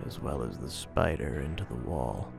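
A man acting as a grim hardboiled investigator with a very low, creaky voice. He tells a bizarre murder mystery in a deliberate, dramatic style, like scripted noir radio drama, with music clearly playing behind him. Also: animated, exaggerated voice. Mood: grim, suspenseful.

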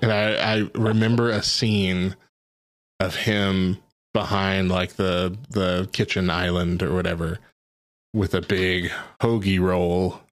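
A man's voice: low voice, level tone, slow pace. A man co-hosting a podcast, chatting casually and telling rambling stories full of fillers. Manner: rambling, laid-back storytelling with frequent fillers. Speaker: podcast co-host. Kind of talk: casual chat.

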